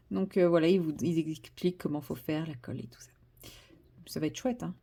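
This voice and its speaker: A woman chatting casually to her viewers from home, her voice mellow and relaxed. She talks in loose, hesitant runs full of fillers and restarts, warming into enthusiasm as she unpacks a craft kit. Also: low-pitched, normal speed. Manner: chatty, hesitant with many fillers, self-correcting. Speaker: vlogger. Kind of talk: casual vlog chat.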